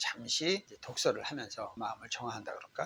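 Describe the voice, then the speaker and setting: A man speaks at a fairly quick pace. There is noticeable background noise behind him. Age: 60s. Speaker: motivational YouTuber, mentor and counselor. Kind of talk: casual vlog monologue.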